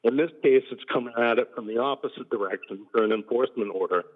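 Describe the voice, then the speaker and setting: Choppy tinny man breaking up on a call. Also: medium pitch. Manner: halting, with frequent ums and uhs. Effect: audio choppy, cutting out on a bad connection. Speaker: conservation commission chair. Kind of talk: public meeting discussion. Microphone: remote call connection. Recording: tinny phone-like remote call line.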